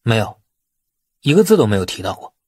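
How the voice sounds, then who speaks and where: A man's voice: lowish voice, very animated, a little fast, darkish tone, husky, dry recording, studio quality. A man voicing a shrewd, easygoing younger businessman who explains things colloquially in audiobook dialogue. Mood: matter-of-fact.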